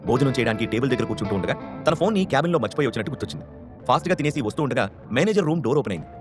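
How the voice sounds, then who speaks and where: A man narrating a scripted story and acting out the characters' lines. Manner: fast, animated reading that lifts pitch for quoted characters.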